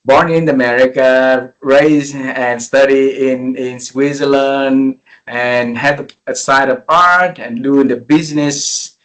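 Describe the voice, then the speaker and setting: A man in his forties speaks English with a Vietnamese accent and a mid-pitched voice. He hosts a conversational interview, addressing the guest in an effusive and courteous way. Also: fairly even intonation, slow, fairly bright tone, low-quality recording. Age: 40s. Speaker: interview host.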